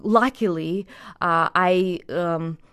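Woman, Russian speaker, low-pitched, thoughtful. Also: takes it slowly, a bit bright, clean tone. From Belarus. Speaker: guest poet. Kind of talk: podcast interview.

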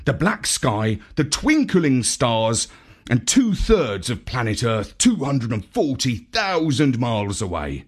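A man reading a children's story in an expressive, deliberate, theatrical narrating style. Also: medium pitch, slightly rough. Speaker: story reader.

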